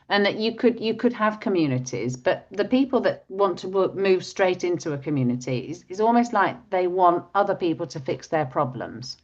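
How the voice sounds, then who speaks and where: Low-voiced woman, not a native English speaker. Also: a little mellow. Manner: chatty, restarts often. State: frog in the throat. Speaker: co-host. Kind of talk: casual chat. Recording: dull lo-fi sound.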